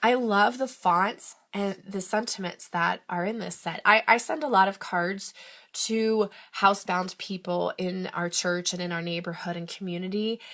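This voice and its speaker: A middle-aged woman with a slightly raspy voice from a recent illness chats eagerly through a live craft demonstration. She talks at an ordinary pitch, stops and restarts her sentences, and keeps a friendly, easygoing pace. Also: a bit bright. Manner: chatty and enthusiastic, with frequent fillers. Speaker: independent craft demonstrator hosting a live stream. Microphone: phone or tablet livestream.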